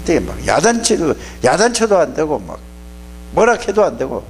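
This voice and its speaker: A man's voice: on the high side, normal speed, slight background noise. A man preaching a sermon to young people as their pastor, telling stories and scolding them in plain words. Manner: animated, scolding, plain-spoken storytelling. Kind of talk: sermon to youth.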